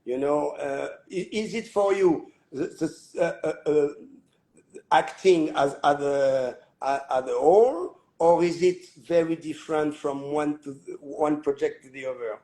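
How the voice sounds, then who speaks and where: A man hosting a live online interview, talking in a halting way with many fillers and restarts. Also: fairly high pitch, mellow. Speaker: host.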